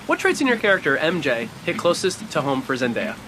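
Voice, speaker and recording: A man interviewing someone outdoors at a home garden, upbeat and quick in his questioning. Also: fairly high pitch, wildly swooping pitch, noisy background. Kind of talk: rapid-fire interview questions.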